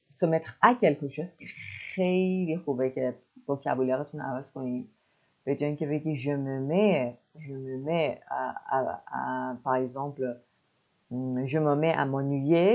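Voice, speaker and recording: A woman teaching French. She explains words in Persian and repeats French phrases slowly and carefully. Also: deep voice, creaky, a little mellow, dull audio. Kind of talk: explaining a language lesson.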